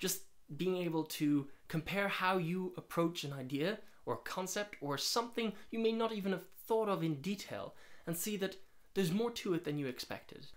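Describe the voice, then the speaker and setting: With an Irish accent, a man speaks at a high pitch and moderate pace, his intonation lively. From Ireland. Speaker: book YouTuber. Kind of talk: casual talk to camera.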